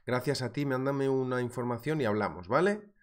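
A man in his thirties with a Spanish accent from Spain hosts a live trading webinar from a desk in a small room, his mid-range voice moving a little fast. He sounds sore-throated from a cold but stays lively and chatty, speaking straight to viewers as he analyzes the market and reads their comments.

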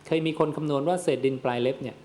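Thai monk preaching a dharma sermon. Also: male voice, mid-range voice, very fast, darkish tone. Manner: addresses listeners as "yom", asks and answers his own questions. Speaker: Buddhist monk.

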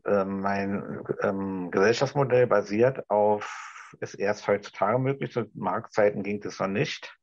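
A middle-aged man with a low, husky, gravelly voice and a restrained Berlin accent. He improvises a careful, halting address. The sound is dry and a little dull, like a video call. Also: no echo. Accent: Berlin German, restrained toward High German. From Berlin, Germany. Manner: halting, careful articulation, searching for words. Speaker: discussion participant. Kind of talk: improvised speech to an imagined TV audience. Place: small room indoors. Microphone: video call, device at some distance.

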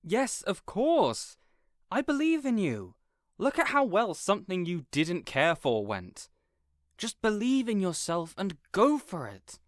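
Man acting an earnest, high-voiced villain boss. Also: huge pitch swings, slow pace, no room sound, studio quality, heavily acted. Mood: excited, encouraging. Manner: earnest, reassuring. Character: kindly, encouraging male villain boss, earnest friend. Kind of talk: character audio roleplay acting.

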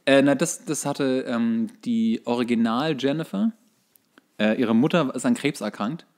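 A young man co-hosting a podcast in casual banter, halting and often correcting himself. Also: medium pitch, a little mellow. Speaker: podcast co-host. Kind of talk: casual banter between friends.

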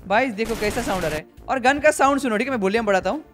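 Racing through his casual reaction commentary, a high-voiced young man on YouTube gets excited over game footage and keeps addressing his viewers. Some background music plays faintly underneath.

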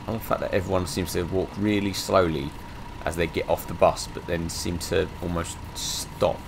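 A man with a croaky voice from being ill, casually commenting as he plays a driving game, rambling with lots of fillers. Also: low voice, fairly even intonation, moderate pace, background noise. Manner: rambling, many fillers, chatty asides. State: croaky from illness. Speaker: gaming channel host. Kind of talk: casual let's-play commentary.

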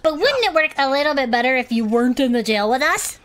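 A woman's voice: high-pitched, big pitch swings, fast, a bit bright. A woman voicing a cheerful, folksy female turtle adventurer. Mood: upbeat. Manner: upbeat, folksy sayings.

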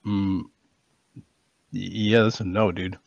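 A man's voice: deep voice, flat delivery, slow, gravelly, dry recording, dull audio. A man playing a tabletop game over an online call, chatting casually about his characters' moves. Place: indoors, video call.

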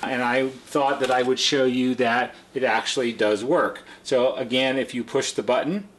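A man's voice: mid-range voice, steady tone, moderate pace, fairly bright tone, a little hiss or hum. A middle-aged man presenting an unscripted how-to demonstration at a workbench, explaining step by step in a plain-spoken way like a repair technician. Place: indoor workshop at a workbench.

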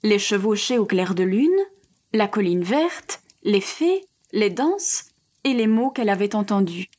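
A woman narrating an audio fairy tale in a slow, gentle storytelling manner. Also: medium pitch, lively intonation.

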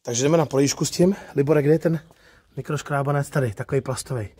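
In a dry recording, a man with a medium-pitched, darkish voice and a breathy edge hosts a car review vlog. He talks informally through a walkaround outdoors at a used car lot and then a test drive inside the car, often tagging sentences with "jo."

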